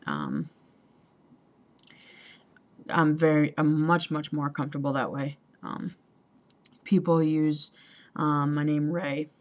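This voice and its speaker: A young trans man talking casually to a camera, hesitant, with many ums and pauses, and a voice that still sounds female. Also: on the high side. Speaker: vlogger. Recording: dull lo-fi home recording.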